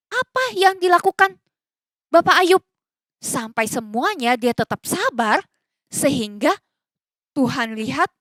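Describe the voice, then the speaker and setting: A woman giving a children's sermon, animated and coaxing with questions, mixing in English phrases. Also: high-pitched, no room sound. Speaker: children's church teacher. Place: church recording.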